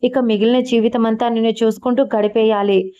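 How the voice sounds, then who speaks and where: Woman reading a tender young lover, mellow tone, dull lo-fi sound. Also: a little high, steady tone, fairly quick, clear, resonant tone, natural voice.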